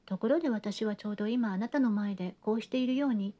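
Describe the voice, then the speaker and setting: A woman's voice: on the high side, fast talker, dark tone, lightly acted. A woman reading an audiobook, voicing a theatrical, talkative genteel lady who chatters on with refined, breathless sentences. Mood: gossiping. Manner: gushing, breathless chatter with refined feminine endings. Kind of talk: audiobook reading of a classic novel.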